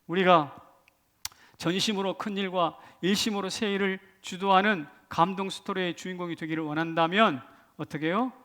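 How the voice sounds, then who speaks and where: A male pastor preaching in a church sanctuary. He has a high, bright voice. He drops to near-whispers, then breaks into loud exclamations, and he acts out the voices of the people in his stories. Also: fairly even intonation, normal speed. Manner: swings from hushed to shouted emphasis, acts out quoted voices. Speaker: senior pastor. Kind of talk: sermon.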